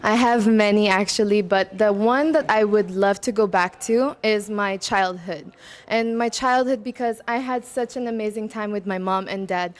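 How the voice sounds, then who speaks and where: Answering pageant interview questions, a woman in her twenties raised in Macau sounds bubbly, slipping in Tagalog words and laughing between replies. She speaks at normal speed with a medium pitch.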